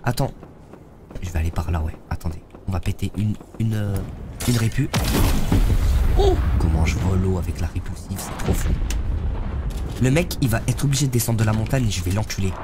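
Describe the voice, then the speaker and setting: Seated in a gaming chair in his streaming room, a young man streams a game and talks to chat in loose, slangy fashion, stuffed up with a head cold. His voice is on the low side and expressive, brisk with frequent pauses, and heavy background noise surrounds it.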